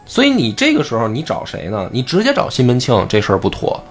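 Over faint background music, a talk-show host with a husky, medium-pitched voice speaks fast as he breaks down a classic novel. He animatedly performs the quoted characters in a casual style.

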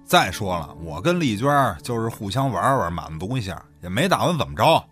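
Man acting brazen village boss, lively and crude. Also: lowish voice, a little fast, breathy edge, dry recording, soft background music, heavily acted. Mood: brazen, dismissive. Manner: crude, swearing, sardonic, self-justifying. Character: brazen, cynical male village boss, scornful and shameless. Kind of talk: Chinese radio drama acting.

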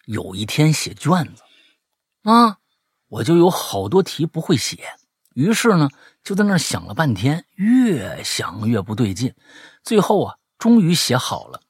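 Husky joking male show host. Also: mid-range voice, a little slow, no echo, clean studio sound. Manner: teasing, animated, mock-indignant. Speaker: radio-style show host reading listener letters. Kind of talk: comic commentary on listener stories.

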